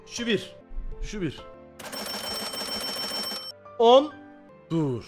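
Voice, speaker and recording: A man streaming a game, chatting casually with his viewers, excitable and swearing, breaking into loud shouts. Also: high voice, very slow, over loud music. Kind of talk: casual gameplay commentary with chat.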